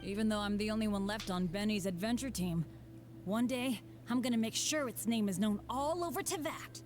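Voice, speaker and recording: A woman's voice: mid-range voice, normal speed, over music, lightly acted. A woman voicing an earnest, good-hearted, unlucky teenage boy adventurer in a video game. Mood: determined. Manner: boyish, earnest. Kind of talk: video game character voice acting.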